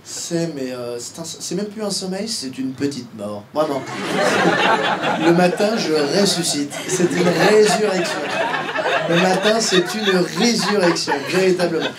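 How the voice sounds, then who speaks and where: A male comedian does stand-up on a club stage, playful and teasing, his speech full of fillers. His voice sits a little high. The live recording carries loud noise and audience laughter. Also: unhurried, over a noisy crowd. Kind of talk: live stand-up with crowd work.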